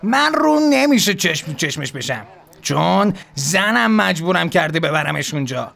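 A man voicing a young man who pleads for a favour in a fawning, rushed way. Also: a little high, sing-song, vocal fry, a bit bright, voice pushed up, exaggerated voice. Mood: pleading.

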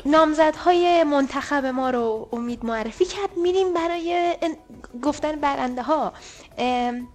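A woman co-hosting a podcast, reading out poll results in casual chat, brisk and a little teasing. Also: high voice, faint music behind. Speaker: podcast co-host.

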